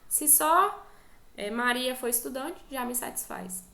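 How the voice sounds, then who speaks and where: A Brazilian woman teacher leads an online lecture, high-pitched with a gravelly edge to her voice. She explains patiently step by step and keeps checking that her students are following. The sound has a roomy echo around it. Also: unhurried, bright, forceful tone. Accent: Brazilian Portuguese.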